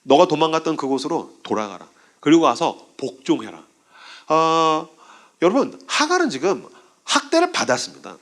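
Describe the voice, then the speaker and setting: Korean guy preaching, high pitched and super animated, does little voices for people in his examples. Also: moderate pace. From South Korea. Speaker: pastor. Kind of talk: sermon.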